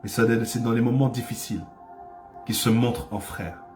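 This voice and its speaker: A male pastor delivers a fervent sermon in a middle-pitched voice, building from calm teaching to loud, urgent cries. He leans on repetition to drive points home. Faint music plays beneath his voice. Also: normal speed. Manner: impassioned preaching, rising to cries; repeats phrases for emphasis.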